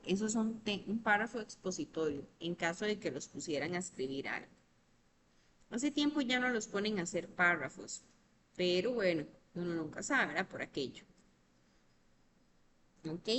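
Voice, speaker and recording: A woman's voice: medium pitch, a bit bright, slight background noise. Patient woman tutoring. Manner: patient explaining, often ending with ¿verdad?. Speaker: English tutor. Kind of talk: online tutoring lesson.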